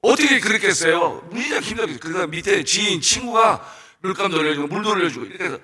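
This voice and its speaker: A man preaching a sermon as a guest missionary in a church, telling stories with animated bursts of shouting and questions to the congregation. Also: high voice, fast. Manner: storytelling with rhetorical questions to the congregation. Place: church sanctuary.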